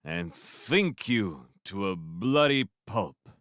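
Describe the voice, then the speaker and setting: A man's voice: fairly low pitch, very animated, slow, dry recording, clean studio sound, full character voice. A man voicing a soaked, very drunk fisherman who scolds people with theatrical mock outrage. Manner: slurred, theatrical, shouting.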